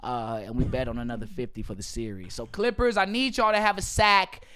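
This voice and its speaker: Laid-back man with a smooth voice. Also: medium pitch, lively intonation, brisk, fairly bright tone. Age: 20s. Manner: loose, laughing, slangy banter. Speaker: podcast host. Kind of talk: casual chat. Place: Houston area. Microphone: studio mic.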